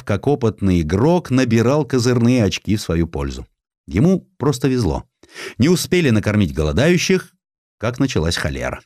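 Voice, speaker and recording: A man with a fairly low voice narrates history from a script. His intonation is lively and swings widely for emphasis, and the recording is dry and close, like an audiobook. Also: dry recording.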